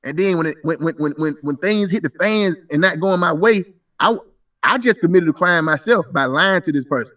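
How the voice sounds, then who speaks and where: A man's voice: on the high side, fairly quick, a bit bright. A man in his thirties arguing insistently in a live stream debate, stumbling through repeated restarts. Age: 30s. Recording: muffled voice from a distance.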